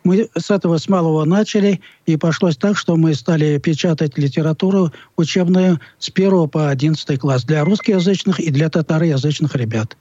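A man with a fairly high, very soft-edged, mellow voice gives explanatory interview answers. He speaks earnestly and haltingly, correcting himself as he goes. The recording is dry and somewhat muffled. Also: no room sound. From Tatarstan, Russia. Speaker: library representative, interview guest. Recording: dull, muffled lo-fi audio.

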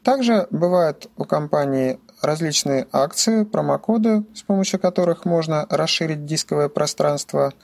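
A man's voice: a little high, animated, normal speed, gravelly, hardly any pauses, a little mellow. A man giving scripted instructional narration as a tutorial presenter, explaining things methodically, step by step.

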